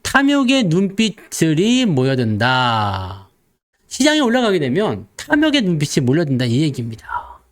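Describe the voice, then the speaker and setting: A man's voice: fairly high pitch, wildly swooping pitch, moderate pace. A man giving casual, joking stock market commentary and acting out investors' voices. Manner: playful, acts out investors' voices, jokes with viewers.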